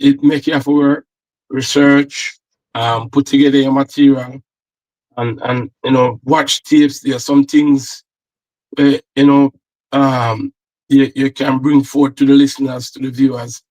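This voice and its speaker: A man's voice: mid-range voice, level tone, measured pace, darkish tone, poor audio. A Jamaican man, a football analyst, chatting casually and rambling with repeated words. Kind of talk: casual chat.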